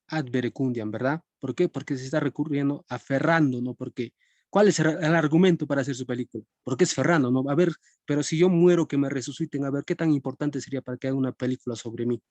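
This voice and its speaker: A man's voice: medium pitch, a little fast, a little mellow, dry recording. A young man teaching a live-streamed philosophy class in a conversational way, often checking in with his students. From Peru.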